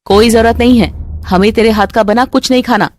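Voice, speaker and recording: A woman's voice: a little high, fairly even intonation, brisk, darkish tone, natural voice. A woman voicing a harsh middle-aged mother-in-law who scolds curtly. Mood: scolding. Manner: curt and scolding.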